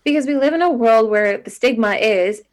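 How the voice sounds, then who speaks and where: A woman's voice: a little high, normal speed, low-quality recording. A young woman from Alberta, guest on a podcast interview, talking in a chatty, emphatic way with lots of fillers. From Alberta, Canada. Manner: chatty and emphatic, many "like" and "you know". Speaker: guest, marketing agency founder.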